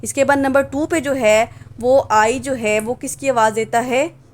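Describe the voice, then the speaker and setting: In a steady, high-sitting voice, a little slow, a woman gives a phonetics lesson on English symbols. She goes over example words patiently and repeatedly, posing questions and answering them herself.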